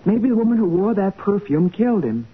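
A woman's voice: medium pitch, very animated, brisk, slightly rough. Female sidekick: young, inquisitive, slightly skeptical, 1940s radio drama delivery on a dull old recording. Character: detective's young female assistant, eager, inquisitive, slightly doubtful.

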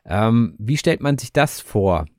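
A man hosting a podcast for language learners, introducing the episode and interviewing a guest in a clear, measured way. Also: fairly low pitch, expressive, darkish tone, no echo, clean studio sound. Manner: clear, measured, teacherly delivery. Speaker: podcast host.

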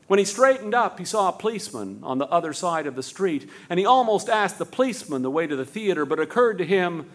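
A man telling a story on stage as the show's host, stacking long run-on sentences and slowing to a hush for the tender moments. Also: high voice. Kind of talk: live storytelling narration.

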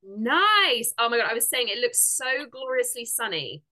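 Bright-voiced woman with a stuffy cold. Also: a little high, sing-song, moderate pace. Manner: gushing, enthusiastic, laughs often. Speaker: podcast host. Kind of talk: casual interview chat.

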